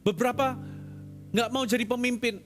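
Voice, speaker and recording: Pastor, male, high voice, dynamic preaching delivery with soft music underneath. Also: steady tone, normal speed. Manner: preaching with swings from loud emphasis to hushed tones. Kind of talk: sermon.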